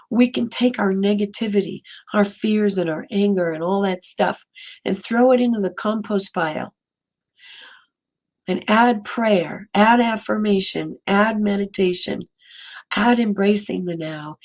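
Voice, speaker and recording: A woman minister giving a gentle, storytelling sermon in a slightly hoarse voice, slowing and softening for emphasis. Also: mid-range voice. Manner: gentle storytelling, slows and drops to near whisper for emphasis. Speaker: interim minister. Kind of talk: sermon talk.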